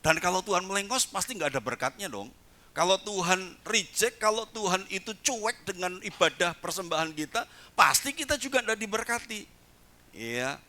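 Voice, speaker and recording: A man preaching a sermon as pastor in a church service, animated, dropping English words in and urging the congregation to repeat after him. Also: high-pitched, normal speed. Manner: urges the congregation to repeat phrases.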